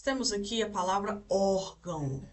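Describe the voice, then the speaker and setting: A woman's voice: medium pitch, normal speed, far from the mic. A young Brazilian woman teaching an online grammar lesson, explaining step by step and checking in with her listeners. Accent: Brazilian Portuguese.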